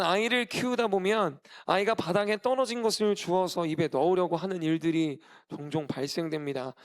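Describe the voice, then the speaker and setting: A male pastor in his thirties giving a sermon, earnest and emphatic, repeating key phrases. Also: sits high. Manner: earnest preaching with emphatic repetition.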